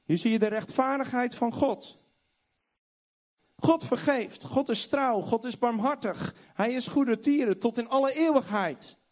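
A man preaching a sermon, reading scripture slowly and swinging from loud, high exclamations to hushed, low tones. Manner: reads scripture aloud slowly and emphatically.

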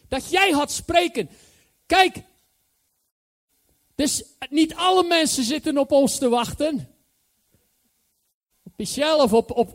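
A male preacher giving a sermon, enthusiastic and emphatic, repeating his key phrases. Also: extremely high pitch.

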